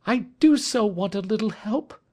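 A man voicing a frightened, tearful woman visitor who pleads for help, in a high, strained voice. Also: animated, moderate pace. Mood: distressed. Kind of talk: audiobook character voice.

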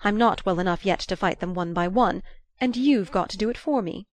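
A woman voicing a shrewd, commanding old grandmother who talks in a lively, imperious way. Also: mid-range voice, brisk, dry recording, natural voice. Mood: insistent.

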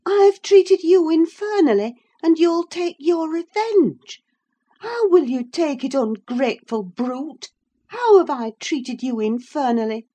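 A woman playing a fiery, high-strung young lady. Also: lively intonation, slow pace, mellow. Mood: indignant.

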